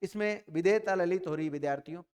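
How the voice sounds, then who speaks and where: A man's voice: sits high, quick pace, darkish tone, smooth, long reverb tail. A male teacher giving a grammar lesson, speaking straight to his students and answering his own questions. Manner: addresses students directly, repeats questions and answers them.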